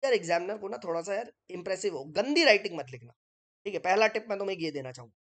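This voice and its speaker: A male teacher leads an online exam-prep lesson with a high-pitched, slightly bright, expressive voice and a quick pace. Chatty and conversational, he breaks down each point step by step on screen and regularly checks in with viewers.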